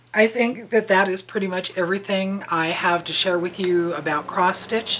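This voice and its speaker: A woman at medium pitch with fairly even intonation, against noticeable background noise. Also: moderate pace. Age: 60s. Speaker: cross-stitch video creator. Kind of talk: casual chat. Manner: chatty, meandering.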